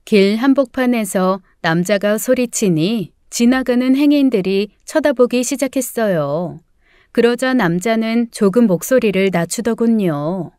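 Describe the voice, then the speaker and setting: Woman with a smooth, clear narrating voice. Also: a little high, animated, measured pace, a little mellow, no echo, clean studio sound. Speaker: story narrator. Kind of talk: first-person audiobook narration.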